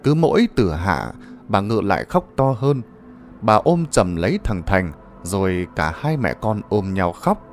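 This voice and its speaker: A man's voice: lowish voice, big pitch swings, a little slow, a little hiss or hum. A man narrating a ghost story in a dramatic, suspenseful manner.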